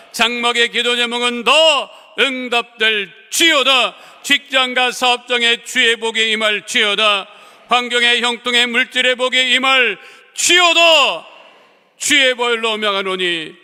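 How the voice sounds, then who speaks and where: A male pastor preaching and praying fervently, with emphatic declarations that swell loud and fall soft. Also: extremely high pitch, clear, resonant tone. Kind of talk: sermon and fervent prayer. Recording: long church reverb.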